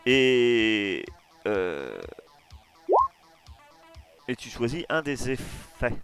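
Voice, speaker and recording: A man acting as game master, narrating a tabletop horror game in slow, searching, descriptive scene-setting. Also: medium pitch, sing-song, music in the background.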